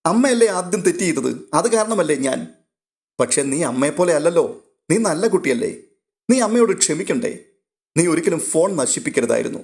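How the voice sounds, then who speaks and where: A man reading a story aloud and voicing a caring young woman who gently coaxes a younger girl. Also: on the high side, very animated, moderate pace, pitched above the performer's own voice. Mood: coaxing.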